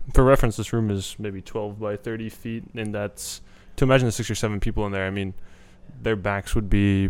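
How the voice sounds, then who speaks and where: At a fairly quick pace, a man talks in a fairly low, flat monotone, his loudness swinging widely. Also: very clean recording, silent background. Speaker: podcast host and college student. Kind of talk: casual interview conversation. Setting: indoor room.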